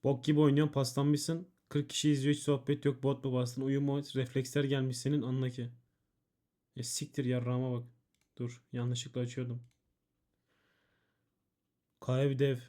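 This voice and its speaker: A man's voice: mid-range voice, little pitch movement, normal speed, pauses often, warm tone. A man streaming, reading out viewers' ban appeals and answering them in blunt, profane casual chat. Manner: blunt and swearing, reading chat messages aloud.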